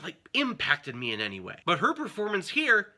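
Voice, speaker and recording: Male movie vlogger, highish voice with animated swings, emphatic and enthusiastic, addressing his viewers. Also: brisk. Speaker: film reviewer and channel host.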